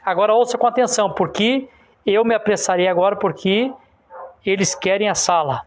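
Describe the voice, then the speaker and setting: A high-pitched pastor from Rio do Sul preaches at a church service, speaking at normal speed before his congregation. Using call-and-response, he repeatedly asks the people for agreement, getting louder and more emphatic with every point he presses.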